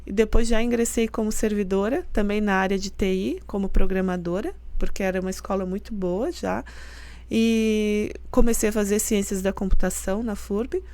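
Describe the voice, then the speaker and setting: A middle-aged woman from Santa Catarina, Brazil, who serves as a university rector, speaks at normal speed with medium pitch on a dry recording. In this casual interview she answers earnestly, explaining at length and laughing softly.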